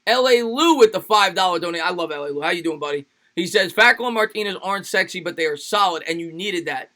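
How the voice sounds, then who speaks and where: A man with a high-pitched, ringing voice runs a casual livestream, thanking fans and hyping them up. His voice is a bit raspy and worn from a lot of streaming. He sounds loose and energetic, talking into a home mic. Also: fast. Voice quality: slightly raspy. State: tired. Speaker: sports YouTube host reading super chats.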